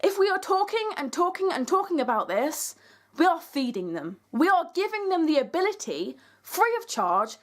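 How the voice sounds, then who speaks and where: A woman's voice: very high-pitched, big pitch swings, moderate pace. A young woman speaking as a YouTuber in an earnest, emphatic, conversational video essay addressed to her viewers. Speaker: YouTuber, creator and host. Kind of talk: video essay to camera, semi-scripted.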